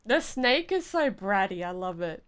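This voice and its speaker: A woman's voice: mid-range voice, big pitch swings, measured pace, fairly bright tone, clear, resonant tone. A woman livestreamer giving chatty, giggly, casual reaction commentary while playing a story game.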